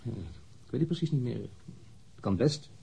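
In a radio drama, an actor voices a guarded, reluctant engineer in his thirties who is being questioned and answers curtly, a bit irritably, and matter-of-factly. His full character voice is medium-pitched and expressive at a normal speed, creaky and mellow with a breathy edge.

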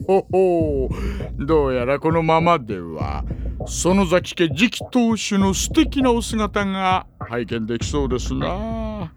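An actor playing a sly, burly aging man in an anime audio drama, unctuously polite and theatrical with drawn-out phrasing. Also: fairly high pitch, sing-song, a little hiss or hum, exaggerated voice. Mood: smug, teasing. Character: sly, courteous aging man, burly judo-trained gambler.

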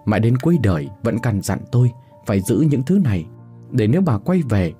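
A man voicing an old grandmother over sixty who explains herself earnestly and in measured words. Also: medium pitch, animated, dark tone, soft background music, close to an everyday voice. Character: old grandmother, calm and apologetic.

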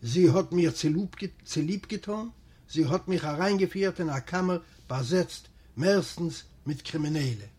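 A man from Eastern Europe reading a literary memoir aloud as an audiobook narrator, in a measured, steady voice. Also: on the high side, breathy edge. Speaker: audiobook reader.

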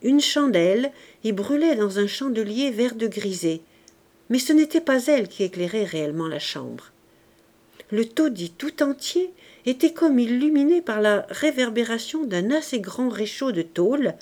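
A woman narrating a classic novel as an audiobook reader, in a measured, expressive way. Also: a little high. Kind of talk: scripted narration.

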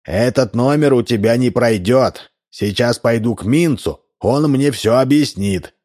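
A man's voice: mid-range voice, a little slow, darkish tone, natural voice. A man reading aloud and voicing a plainspoken middle-aged man, puzzled and indignant.

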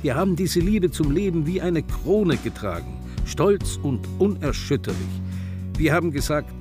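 A man's voice: on the high side, lively intonation, moderate pace, close to an everyday voice. Guy playing older viennese gay activist in a radio play, grieving but defiant, music under it. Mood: proud, defiant. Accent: Viennese Austrian. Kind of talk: radio drama monologue and dialogue.

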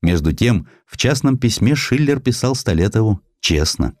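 A man reading a historical essay as an audiobook narrator, in an expressive, scripted literary style. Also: lowish voice, moderate pace, dry recording, studio quality.

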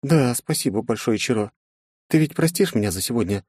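A man's voice: mid-range voice, expressive, a little mellow, slightly rough, dry recording, studio quality, pitched above the performer's own voice. A man voicing a jealous young princess. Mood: soft apologetic. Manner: pleading, clingy, quick to anger.

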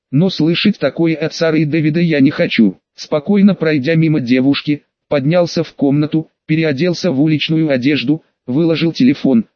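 Male audiobook narrator, calm and measured, slightly high voice, dull lo-fi sound. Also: dry recording. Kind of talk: first-person audiobook narration. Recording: dull, dry lo-fi recording.

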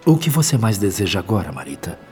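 An actor with a Brazilian accent playing a wise, gentle male spirit mentor in a radio drama, speaking in a measured, solemn, didactic way. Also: on the low side, big pitch swings. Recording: long reverb, music behind.

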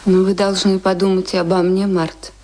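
A woman's voice: mid-range voice, little pitch movement, normal speed, a little mellow, natural voice. An actress playing an anxious, earnest young woman in a Russian radio play, hesitant and pleading as she argues. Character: anxious, earnest young sweetheart, gently arguing.

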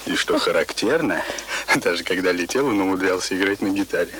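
An actor playing a courteous, talkative suitor telling tall tales in a radio play. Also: male voice, low-pitched, fairly quick, a bit bright. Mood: animated, boastful. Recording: noisy old radio play recording.

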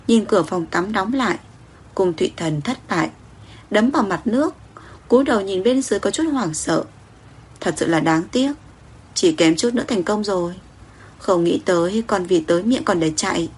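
Woman reading a story aloud, steady, breathy kinda voice. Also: mid-range voice, normal speed. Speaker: narrator. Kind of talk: storybook narration.

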